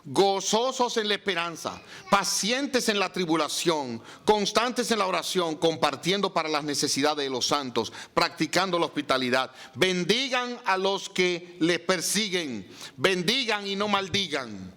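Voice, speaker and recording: A pastor preaching a sermon, reading scripture and asking the congregation rhetorical questions. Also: male voice, sits high, very animated, unhurried, pushed and bright.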